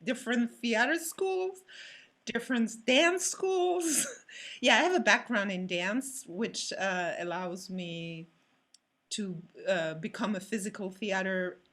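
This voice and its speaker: A woman with a French accent chats as a performer being interviewed. Her voice sits at a medium pitch, and she talks slowly and haltingly, searching for words. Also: fairly bright tone. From France. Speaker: physical theater performer. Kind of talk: casual panel interview.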